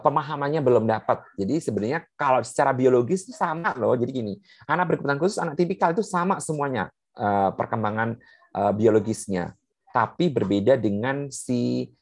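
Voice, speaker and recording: A woman's voice: a bass voice, creaky, a little mellow, no echo. Woman giving a dry, filler-rich seminar talk. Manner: explanatory, many fillers, lists points one by one. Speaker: speaker on puberty in children with special needs.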